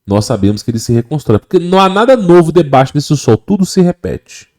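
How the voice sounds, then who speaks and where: Emphatic Brazilian man, mellow and animated. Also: on the high side, fast. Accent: Brazilian Portuguese. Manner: emphatic, repeats phrases, acts out quoted voices. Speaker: online religious speaker. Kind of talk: impassioned religious talk.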